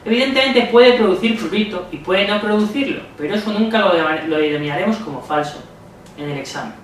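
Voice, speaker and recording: Man, Spain Spanish accent, high voice, methodical tutor; distant mic, faint noise. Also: brisk. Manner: methodical, checks in with listeners often. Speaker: medical exam tutor. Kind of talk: exam-strategy lesson. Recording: very echoey room, voice far from mic, faint noise.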